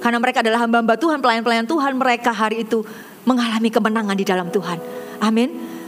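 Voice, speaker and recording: High-voiced woman pastor preaching animatedly. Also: racing. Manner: animated storytelling preaching, swings between loud emphasis and soft low asides. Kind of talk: sermon.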